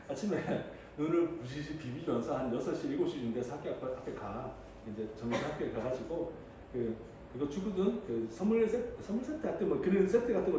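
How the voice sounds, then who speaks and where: A man in his thirties teaching high school English, chatting and joking with his students as he calls on them to read. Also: warm tone, far from the mic. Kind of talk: classroom lecture. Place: classroom. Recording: echoey room, voice off-mic, faint hiss.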